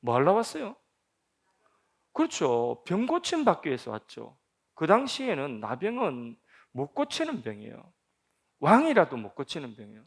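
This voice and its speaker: A male pastor preaching in a church, voice pitched a little high and swinging widely up and down. His tone has a gravelly edge. He keeps pressing the congregation with rhetorical questions. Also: huge pitch swings, normal speed. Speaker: senior pastor. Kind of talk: sermon at a Friday prayer meeting. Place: church sanctuary.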